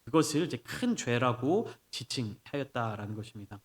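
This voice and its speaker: A man's voice: mid-range voice, normal speed. A man preaching a sermon as pastor, explaining the passage with rhetorical questions he answers himself. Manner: acts out scolding quotes in lively bursts.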